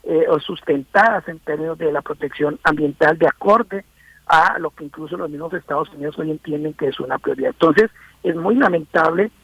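A man's voice: a little high, brisk, breathy edge, dry recording. Man speaking over a tinny phone line. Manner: thoughtful, many hesitations and restarts. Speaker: guest political analyst. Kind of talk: radio interview answers.

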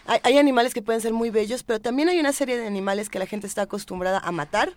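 Interviewer, thoughtful long questions, mid pitch, dry sound. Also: racing, no room sound. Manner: thoughtful, asks long questions with everyday examples. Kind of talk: casual interview talk.

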